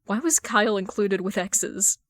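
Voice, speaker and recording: Woman reading as excitable, slangy livestream chat fans. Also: medium pitch, measured pace, no room sound, studio quality, natural voice. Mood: teasing. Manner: gushing, slangy. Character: excitable online fans typing in a stream chat.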